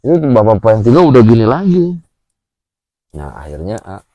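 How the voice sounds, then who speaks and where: A man recounts a personal experience in a relaxed chat. His voice is lowish and mellow, and it swings widely in pitch. The sound is dry and close. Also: a little fast, no room sound, muffled recording. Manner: animated, with frequent filler "ah" and "A", acts out gestures while telling. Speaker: guest telling his experience. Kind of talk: casual storytelling chat.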